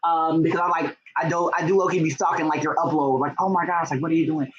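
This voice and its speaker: A young man chatting casually on a livestream as a book vlogger, gushing and excitable, with slangy phrasing full of "like" and "y'all". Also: on the high side, quick pace, muffled recording, slight background noise. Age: young adult.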